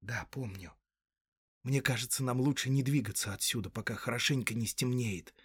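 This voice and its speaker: A man voicing a gentle, cautious young male hobbit who talks in a calm, hushed way. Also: normal speed, breathy edge, dry recording, clean studio sound. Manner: hushed, calm, low-voiced.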